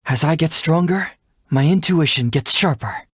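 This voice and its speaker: A man's voice: a little high, moderate pace, fairly bright tone, husky, no room sound, studio quality. A man voicing a cheeky, confident young male detective in a video game, with breezy, playful, theatrical phrasing. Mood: warm, upbeat. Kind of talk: scripted game character voice lines.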